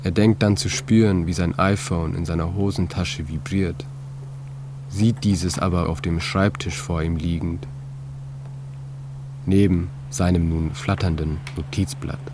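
A man reading his own literary prose in a calm, measured, reflective way. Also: deep voice, background noise. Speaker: author and narrator. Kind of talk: scripted literary narration.

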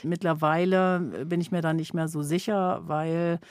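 A woman's voice: fairly low pitch, level tone, normal speed, darkish tone, clear, resonant tone, no echo. Reflective woman in her fifties, dry sound. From Sylt, northern Germany. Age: 50s. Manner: reflective, frequent hesitations. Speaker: journalist and author, guest. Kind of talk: conversational radio interview.

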